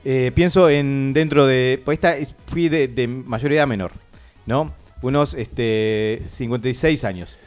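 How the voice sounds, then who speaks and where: A man's voice: mid-range voice, unhurried, smooth, faint music behind. Playful Uruguayan man spinning absurd stories. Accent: Uruguayan Spanish. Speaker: radio show host. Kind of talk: comedic banter among hosts.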